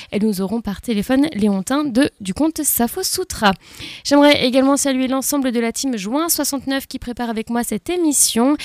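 Lively intonation marks this woman's high-pitched voice at a moderate pace. The sound is dry and close, with no echo. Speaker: radio host. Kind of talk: live radio talk show. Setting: studio.

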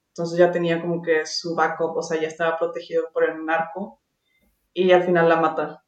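With monotone, flat intonation, a woman talks at a moderate pace and fairly low pitch. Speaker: podcast guest, feminist podcaster. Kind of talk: casual discussion.

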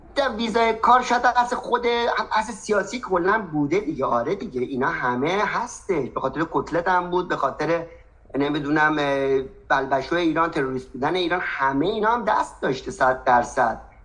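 There is noticeable background noise. Over it, a man talks at a fairly quick pace with a high pitch that swings very widely. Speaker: businessman. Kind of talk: casual chat.

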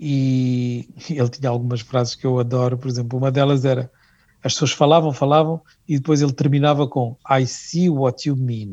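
At a moderate pace, a man speaks in a dark, mellow tone at medium pitch, his intonation fairly even. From Guinea-Bissau. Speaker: professor. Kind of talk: interview.

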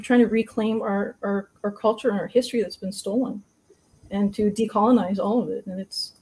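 A woman with a western Canadian accent speaks quickly in a dark, mellow, somewhat breathy tone, keeping her intonation fairly even. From interior British Columbia, Canada (Vernon area reserve). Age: 30s. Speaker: animator. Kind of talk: interview.

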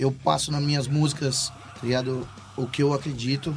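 Music plays in the background as a man speaks at a fairly high pitch. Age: 40s. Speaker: heavy metal band musician. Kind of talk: casual radio interview. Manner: animated, slang-heavy.

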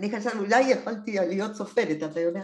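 With ordinary pitch variation, this woman talks at a medium pitch. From Argentina. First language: Spanish (speaking Hebrew). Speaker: space scientist and educator. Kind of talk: interview.

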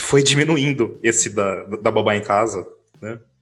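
A man's medium-pitched voice shows ordinary pitch variation and a moderate pace. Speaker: podcast co-host. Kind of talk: casual chat. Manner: halting.

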